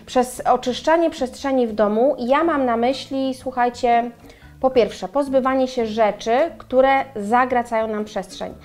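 A middle-aged woman co-hosting a casual chat, animated and speaking straight to viewers, on a lapel mic in a bright room. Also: on the high side, a little slow. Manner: animated, gesturing, addresses viewers directly. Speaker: co-host. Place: bright room with flowers and windows.

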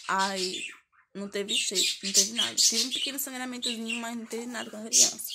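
A woman's voice: medium pitch, very noisy. Young woman, chatty confessional storytelling. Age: 20s. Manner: chatty, repetitive, emotional retelling. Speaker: vlogger. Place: her mother's house, indoors.

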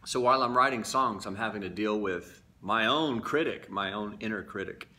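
Candid, reflective man with a bright voice. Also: lowish voice, moderate pace. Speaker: vlogger. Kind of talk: casual talk to camera.

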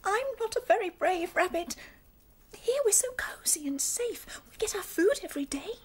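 A woman's voice: very high voice, expressive, normal speed. A British woman playing a timid, hesitant pet rabbit, fretful and anxious, in a radio drama.

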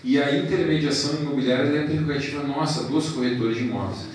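A man in his forties, president of a professional council, giving a formal ceremony speech into a handheld mic in a large hall. He speaks in a measured way, listing thanks and points with pauses. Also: mid-range voice, a little mellow, slight background noise. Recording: echoey hall from a distance.

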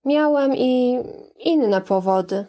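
A woman reading a hesitant, gentle young man. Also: high-pitched, lively intonation, slow pace. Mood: reserved.

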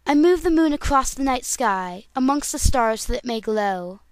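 A woman's voice: sits high, expressive, normal speed, no echo. A woman voicing a regal, solemn cartoon pony princess with a grand, formal, declamatory delivery. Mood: solemn, proud.

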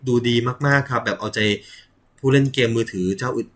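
Speaking at a medium pitch with fairly even intonation, a male host reads out tech headlines and viewer comments on a laid-back news show. He sprinkles in polite particles and quick laughs, slipping up now and then.

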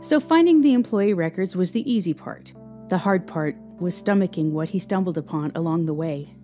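A woman's voice: lowish voice, animated, normal speed, mellow, soft background music. A woman narrating a scripted story as the narrator of an audio drama.

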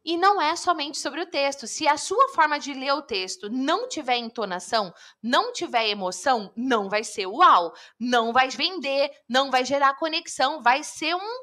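A woman coach teaching public speaking in a live online lesson, lively and talking straight to viewers. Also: high voice, moderate pace. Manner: lively, addresses viewers directly.

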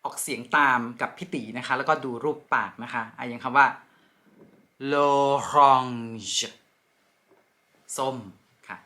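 A man teaching French vocabulary in a slow, clearly repeated drill, ending phrases politely. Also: medium pitch, fairly even intonation, pushed and bright. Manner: repeats each word slowly and clearly, polite ending particles.

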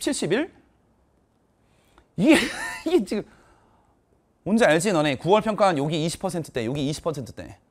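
A male test-prep teacher with a high voice that swoops wildly up and down. He rants in exasperation about an exam and talks to his students directly and informally. He mixes polite phrasing with blunt, casual remarks. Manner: animated, exasperated ranting, addressing students directly; switches between polite and casual speech.

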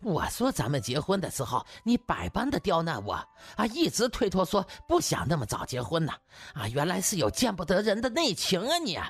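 Man acting hot-tempered husband, audiobook drama, accusatory rant, crude, husky, very animated pitch. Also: fairly quick, hardly any pauses, heavily acted. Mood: furious. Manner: ranting, accusing, swearing.

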